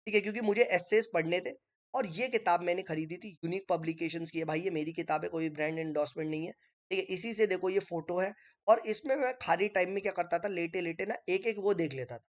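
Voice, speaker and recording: Speaking fast in a high voice, a man gives a chatty online lesson for exam prep. He writes on screen while explaining each step and keeps asking in on his listeners.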